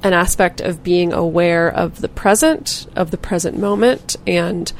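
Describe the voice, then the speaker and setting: A woman's voice: lowish voice, steady tone, a little slow, a little hiss or hum. A woman co-hosting a casual podcast discussion, thoughtful and reflective, laughing lightly now and then. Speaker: podcast co-host.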